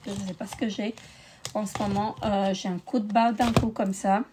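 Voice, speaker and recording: A woman's voice: mid-range voice, little pitch movement, moderate pace, noisy background. A middle-aged woman, tired, chatting casually with many hesitations in a beauty haul video. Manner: hesitant, many euh fillers. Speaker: beauty vlogger.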